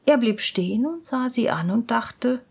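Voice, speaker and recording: Slow, calm woman reading a fairy tale. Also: fairly high pitch, creaky, slightly rough. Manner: slow, calm, even storytelling. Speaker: storyteller.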